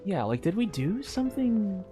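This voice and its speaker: Video game streamer, middle pitch. Casual, hesitant, rambling think-aloud commentary with faint game music underneath. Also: big pitch swings, normal speed. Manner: hesitant, rambling, filler-heavy musing.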